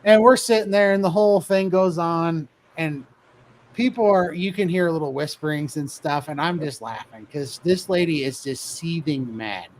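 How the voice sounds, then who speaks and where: A man's voice: on the high side, moderate pace, noisy background. A man casually telling a funny story about himself, laughing often as he goes. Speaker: guest telling his weight-loss story.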